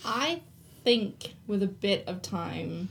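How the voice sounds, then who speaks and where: The speaker is a woman. Her accent is British. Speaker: podcast guest. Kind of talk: casual chat.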